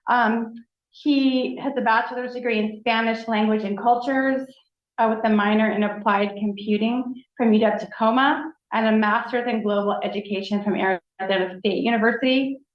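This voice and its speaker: A woman with a fairly high voice speaks upbeat and enthusiastic as a college advising director addressing a board meeting. Her voice rings around an echoey room. The sound is dull and lo-fi. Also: steady tone, moderate pace. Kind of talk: presenting new staff at a board meeting.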